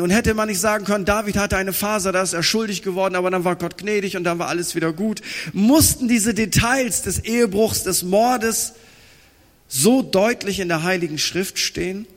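A man delivers a sermon in a high, bright-sitting voice, animated as he plays out little dialogues. His voice rings with a long reverb from a large church hall. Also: normal speed. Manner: animated, acts out dialogue in the story. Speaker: pastor.

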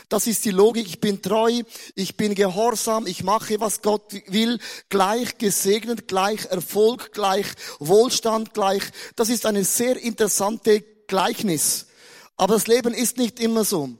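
A high-pitched Swiss man with a Swiss German accent delivers a lively, humorous sermon, stumbling over repeated words and joking with the audience.

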